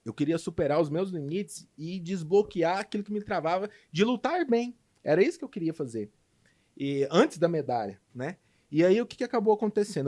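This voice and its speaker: A man with a Brazilian Portuguese accent, a guest in a podcast interview, telling a personal story with animated, emphatic delivery. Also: on the high side. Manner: animated, emphatic retelling with lively swings in loudness. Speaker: guest entrepreneur.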